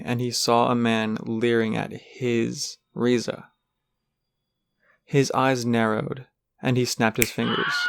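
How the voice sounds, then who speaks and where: Gravelly man narrating a story. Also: mid-range voice, no echo, studio quality.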